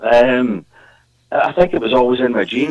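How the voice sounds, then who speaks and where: A man talks at a moderate pace with a Glaswegian accent. His intonation stays fairly even. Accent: Glaswegian Scottish. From Scotland, Glasgow. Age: 60s. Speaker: singer. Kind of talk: interview.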